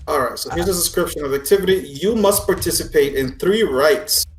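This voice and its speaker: A man running a tabletop game, narrating and explaining in a halting, conversational way as game master. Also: a little high, soft background music. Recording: echoey room.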